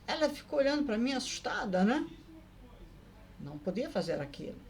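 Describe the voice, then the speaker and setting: Woman vlogger, slightly high pitch, lively and chatty, spins her anecdote with many tag questions. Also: moderate pace, slight background noise. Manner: lively, acts out the people in her story. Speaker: vlogger telling personal stories. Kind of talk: casual storytelling.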